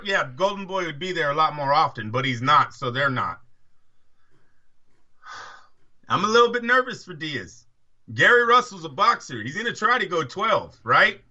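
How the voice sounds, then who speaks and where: A man with a high, very sharp and forceful voice, arguing boxing with his co-host and pushing his point again and again. The sound is dull and lo-fi, like a cheap mic. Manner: argumentative, emphatic opinions. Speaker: podcast co-host. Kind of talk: casual boxing talk.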